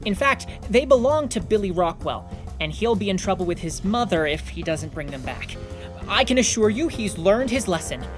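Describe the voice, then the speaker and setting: A woman's voice: mid-range voice, expressive, normal speed, natural voice. Woman voicing a pompous boy detective. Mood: self-assured. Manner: formal, pompous, fancy vocabulary. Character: boy sixth-grade detective, earnest and self-important. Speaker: narrator and lead character. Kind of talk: audio drama acting. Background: music.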